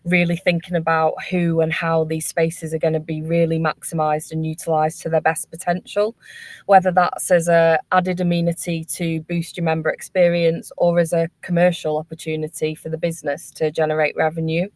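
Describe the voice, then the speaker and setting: A woman with a lowish, very even voice talks as a panelist on a business webinar. She explains her points in a measured, business-like way. The sound is dry and close, with no room echo. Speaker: panelist from a flexible workspace business.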